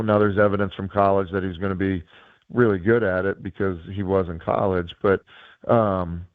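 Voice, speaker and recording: A man who has lost much of his voice, talking football in a rambling way with many fillers and restarts, as a radio guest and high school coach. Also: dry recording. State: hoarse, losing his voice. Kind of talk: casual sports radio chat. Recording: tinny phone line.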